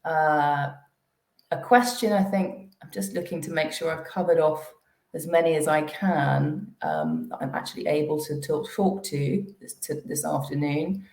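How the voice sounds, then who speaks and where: Female exec, deep voice, halting delivery full of ums, slightly hoarse, roomy video-call sound. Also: animated, darkish tone. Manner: hesitant, many fillers and restarts. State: losing her voice. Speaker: company executive presenting to investors. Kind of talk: investor presentation and Q&A.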